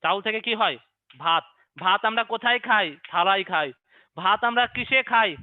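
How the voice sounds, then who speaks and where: High-voiced man drilling biology by repetition. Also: moderate pace, no echo. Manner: repetitive question-and-answer drilling with memory tricks. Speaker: biology teacher. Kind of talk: online class lecture. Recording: dry, narrow phone-like online stream.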